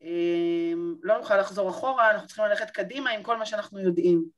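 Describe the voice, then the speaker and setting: A woman's voice: mid-range voice, soft background music. Reflective woman answering on a video call. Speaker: participant. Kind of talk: discussion reply.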